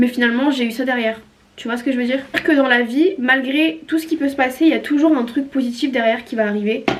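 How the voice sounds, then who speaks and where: A high-pitched woman talks very fast with hardly any pauses and big swings in loudness, over noticeable background noise. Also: ordinary pitch variation. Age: 20s. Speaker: youtuber. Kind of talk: casual chat.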